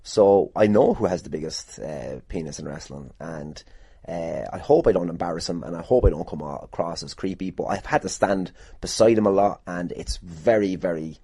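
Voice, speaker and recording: A man's voice: low voice, moderate pace, mellow, husky, no room sound. A man hosting a casual solo podcast, rambling and sweary as he answers listener questions in a jokey way. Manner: rambling, sweary, jokingly boastful. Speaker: podcast host and wrestler.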